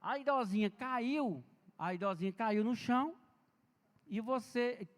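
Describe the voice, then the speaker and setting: High-voiced man lecturing in a church hall. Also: measured pace. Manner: chatty, storytelling, addresses the audience directly. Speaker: health and safety speaker. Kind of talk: informal seminar lecture. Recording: long reverb in a big church hall.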